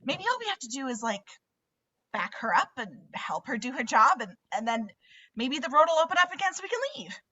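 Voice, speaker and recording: A woman acts out an earnest, shaken teenage girl from a horror comedy. Her voice is high and bright, swinging about as she stammers. The audio is slightly lo-fi, like a video call. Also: sing-song, breathy edge, full character voice. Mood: earnest, hesitant. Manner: halting, stammering. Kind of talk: table read of a horror comedy film script.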